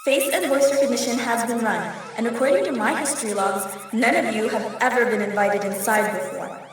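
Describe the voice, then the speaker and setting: A woman playing a sassy, matter-of-fact female jinn and her deadpan security system in scripted audio fiction. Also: fairly high pitch, fairly quick, very echoey, a crowd in the background, natural voice. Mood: deadpan, officious.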